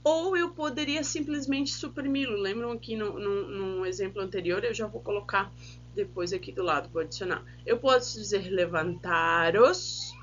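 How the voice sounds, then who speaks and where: A Brazilian woman teaching a Spanish lesson online, patiently explaining grammar, checking in with tag questions and slowing down to stress example words. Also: mid-range voice, dull audio, slight background noise.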